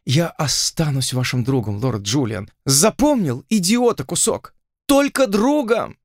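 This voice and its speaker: A man's voice: high voice, very animated, unhurried, no echo, studio quality, pitched above the performer's own voice, exaggerated voice. A man voicing a young plantation owner's daughter, speaking in a theatrical, pleading and melodramatic way. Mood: scolding.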